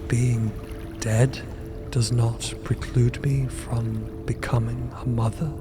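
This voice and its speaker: An actor playing an earnest, uncertain undead disciple in a fantasy audio drama, hesitant and solemn as they search for answers. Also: male voice, mid-range voice, level tone, takes it slowly, music in the background.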